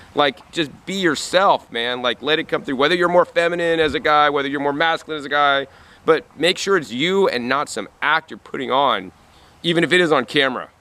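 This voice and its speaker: A man talks at a fairly quick pace in a normal speaking voice, his pitch fairly high. His pitch varies in an ordinary way. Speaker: raw vegan and gardening YouTuber. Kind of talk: casual interview.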